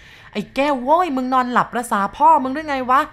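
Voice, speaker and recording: A woman voicing a terrified young male truck driver who shouts in panic. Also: sits high, drawn-out words, pitched above the performer's own voice. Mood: panicked shouting.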